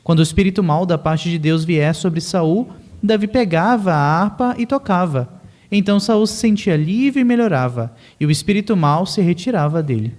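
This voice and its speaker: Homem de voz aguda e escura lendo a Bíblia. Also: male voice, sits high, lively intonation, normal speed, darkish tone. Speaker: congregation member reading scripture. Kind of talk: reading aloud from the Bible.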